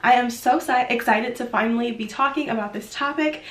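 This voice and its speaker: A woman's voice: a little high, a little fast, echoey room. A young woman vlogger talking casually to her viewers, sounding nasal from a cold, with lots of "like" fillers. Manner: chatty, filler-heavy with frequent "like". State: sick, nasal. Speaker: YouTube vlogger. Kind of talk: chatty vlog talk.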